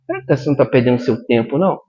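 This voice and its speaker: A man's voice: mid-range voice, expressive, racing, mellow, highs cut off, voice pushed down, natural voice. A man voicing a tempter spirit, a doubting voice in the mind that asks sly questions. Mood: insinuating.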